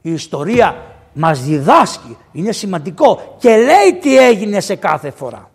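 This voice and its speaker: A man, a priest, preaching a lively storytelling sermon in an amphitheater, acting out the dialogue of his story with sudden loud outbursts. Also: high-pitched, husky. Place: diocesan amphitheater.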